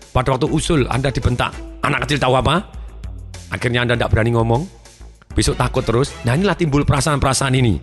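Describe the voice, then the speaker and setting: A man giving a motivational seminar talk, animated and addressing his listeners directly. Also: medium pitch. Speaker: motivational speaker.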